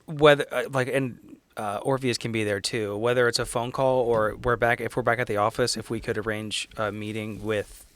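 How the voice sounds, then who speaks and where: A man's voice: medium pitch, steady tone, normal speed, hardly any pauses, fairly bright tone, clean tone, no echo. A man talking casually as a player in a tabletop role-playing game, slipping in and out of character. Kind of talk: casual table talk, hesitant in-character roleplay. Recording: background music behind the voice.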